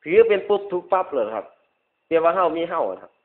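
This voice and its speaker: A man's voice: sits high, sing-song, fast. A man with a northeastern Thai Isan accent giving a Buddhist sermon as a monk, repeating points emphatically with polite phrase endings. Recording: dull lo-fi radio-like recording.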